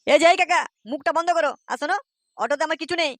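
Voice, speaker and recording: A woman's voice: high-pitched, very fast, no room sound, studio quality, lightly acted. A woman voicing a brash, quarrelsome young male auto-rickshaw driver in a cartoon who swears a lot. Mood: angry. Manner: cursing, quarrelsome. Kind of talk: cartoon voice acting.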